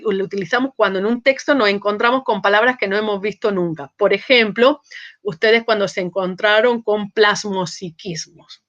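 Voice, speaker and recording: A woman's voice: medium pitch, fairly bright tone. A woman giving a university lecture who keeps checking in with her students with "¿eh?" and "¿sí?" and often restarts her sentences. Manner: frequent checking tags "¿eh?" and "¿sí?", many restarts. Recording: slightly muffled lecture audio.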